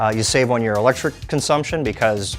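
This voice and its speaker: Over music in the background, a man with a medium-pitched voice talks at a fairly quick pace with ordinary pitch variation. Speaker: business machine store owner. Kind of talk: interview answer. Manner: hesitant, many fillers.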